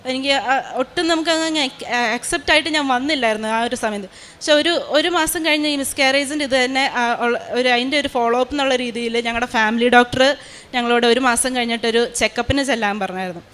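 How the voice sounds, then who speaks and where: A woman's voice: sits high, fast talker, fairly bright tone. A young woman, telling a personal testimony in an earnest storytelling way full of fillers. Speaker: testimony giver.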